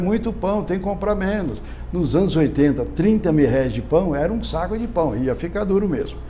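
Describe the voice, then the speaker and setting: A man talks at a moderate pace with lively intonation. Noticeable background noise and audible room echo fill the recording. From interior of São Paulo state and Paraná, Brazil. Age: 70s. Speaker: film actor. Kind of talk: interview, personal storytelling.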